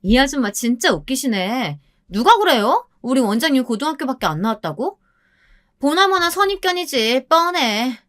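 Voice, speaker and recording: A woman's voice: sits high, big pitch swings, moderate pace, fairly bright tone, no room sound, clean studio sound, pitched above the performer's own voice. A woman voicing a young female salon employee who mocks a rude customer scornfully. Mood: mocking. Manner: taunting, scornful.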